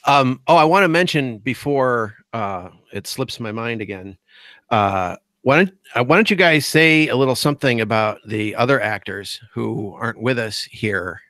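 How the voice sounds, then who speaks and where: A man's voice: medium pitch, animated, moderate pace, a bit bright, no room sound. A man hosting a podcast, casually stumbling through his questions to the guests. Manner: loose, stumbling prompts. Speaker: podcast host.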